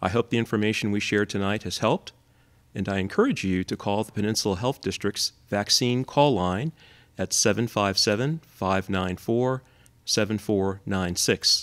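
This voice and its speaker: Fairly low-pitched man at a fairly slow pace, with ordinary pitch variation and a quiet background. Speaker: city official moderating a panel; panelist. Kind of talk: scripted public address. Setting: video call. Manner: formal. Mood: earnest, appreciative. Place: studio. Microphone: podium.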